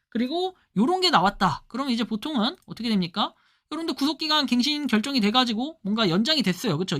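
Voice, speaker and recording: A woman talking fast with a lively, rising and falling voice, set a little higher than most. She explains things casually to her viewers and keeps firing rhetorical questions at them, tagging her points with a quick "right?". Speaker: commentator.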